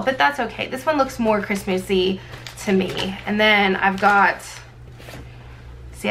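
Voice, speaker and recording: A woman with a hoarse, sick-sounding voice that is giving out, chatting casually and thinking aloud as she records a vlog at her desk. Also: medium pitch, fairly bright tone. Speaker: planner vlogger and sticker shop owner. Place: indoors at a desk. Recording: clear background noise.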